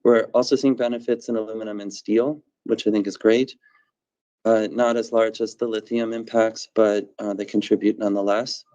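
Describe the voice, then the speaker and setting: A man speaking as a company executive, giving measured, explanatory answers on an earnings call over muffled conference audio. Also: fairly low pitch, level tone, warm tone.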